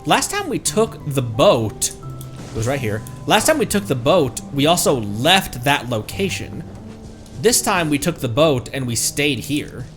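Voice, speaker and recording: A man's voice: on the high side, very animated, measured pace, fairly bright tone. A man streaming a video game, chatting casually and thinking aloud as he plays. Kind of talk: casual livestream game commentary. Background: faint game music.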